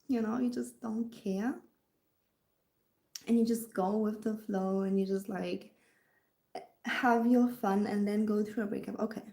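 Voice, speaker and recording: A woman's voice: mid-range voice, fairly even intonation, unhurried, creaky, pauses often, dark tone, roomy sound. A woman with a German accent, a dating coach talking casually to viewers on a live stream, often dropping into a whisper and answering comments as she goes. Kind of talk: livestream talk to viewers.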